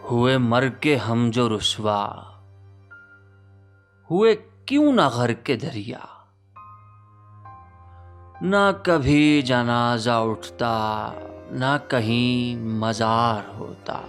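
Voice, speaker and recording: A man's voice: mid-range voice, animated, pauses often, faint music behind, voice pushed down, natural voice. A man playing a witty, lamenting nineteenth-century poet reading his letter aloud in archaic, courtly, theatrical phrasing. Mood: mournful, resigned. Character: Mirza Ghalib, witty lamenting 19th-century Urdu poet writing a letter.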